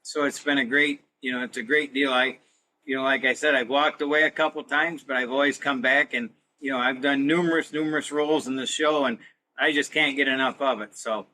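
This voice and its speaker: A man's voice: mid-range voice, steady tone, a little fast, bright, forceful tone, slight background noise, low-quality recording. A man who performs with a community cast, talking conversationally in a podcast interview. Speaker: community radio play actor.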